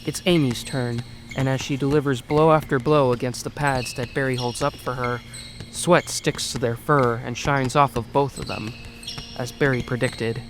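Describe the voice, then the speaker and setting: A man narrates a scripted audio drama in a mid-range voice. He tells the story in the third person as an audiobook narrator, with music playing clearly behind him. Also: mid-range voice, fairly even intonation, normal speed. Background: music under the voice.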